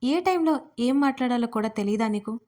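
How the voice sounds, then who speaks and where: An irritable young male romantic lead, curt and snappish, dropping English words into his lines, as a woman narrator puts him on. His voice sits a little high and loud for a man, with a plain, close sound. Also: steady tone, moderate pace, natural voice. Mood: irritated.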